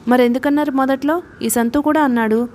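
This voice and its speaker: A woman's voice: sits high, steady tone, fairly quick, a little mellow, close to an everyday voice. A woman voicing a poor young boy who pleads to be let in on the game in an audiobook. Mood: hurt.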